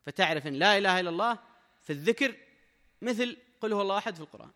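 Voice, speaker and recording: Sheikh teaching a lesson, talks fast, hammers points with repeats, long hall echo. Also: male voice, high-pitched, lively intonation, bright, forceful tone. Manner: emphatic, with repeated short phrases. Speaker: religious teacher. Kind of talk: mosque lesson reading and explaining a text. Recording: long reverb of a large hall.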